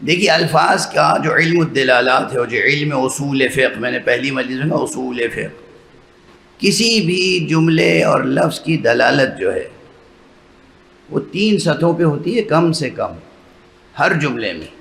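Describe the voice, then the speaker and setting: A man's voice: a little high, animated, gravelly, a bit bright. A man, a religious scholar, giving a sermon lecture that explains its points step by step and often checks with listeners through rhetorical questions. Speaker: religious scholar addressing a mourning gathering. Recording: echoey hall with faint background noise.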